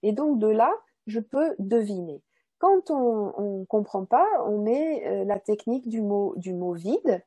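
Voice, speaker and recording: A woman's voice: medium pitch, lively intonation, a little slow, mellow, husky, no echo. A woman giving an explanatory lecture as a language researcher, in a didactic way, repeating key words and checking that listeners follow. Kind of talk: explanatory lecture, semi-spontaneous.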